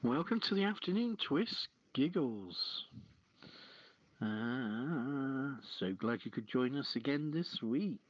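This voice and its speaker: A man hosting a talk show, reading news and chatting with a halting, stumbling delivery. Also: mid-range voice, animated, no room sound. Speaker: host of an online talk show. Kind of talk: reading news aloud and casual chat. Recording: dull, lo-fi audio.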